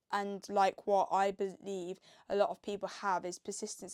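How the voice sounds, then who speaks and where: In a Birmingham accent, a woman speaks at a moderate pace with a medium pitch, the sound dry and close with no echo. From England, Birmingham. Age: 20s. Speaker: YouTuber. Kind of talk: vlog monologue. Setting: home bedroom. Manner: animated.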